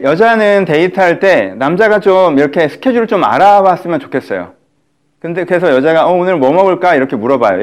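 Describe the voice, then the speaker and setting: A middle-aged male pastor preaches in a high, lively voice. His pitch swoops widely as he acts out the grumbling of the people he describes. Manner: animated, acts out quoted complaints in shifting voices. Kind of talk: sermon.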